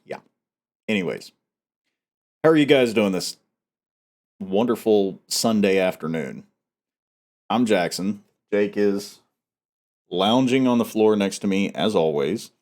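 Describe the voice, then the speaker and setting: A man's voice: on the low side, lively intonation, slow pace, pauses often, darkish tone. A man hosting a novel read-aloud, talking casually and reading in an audiobook style. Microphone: headset.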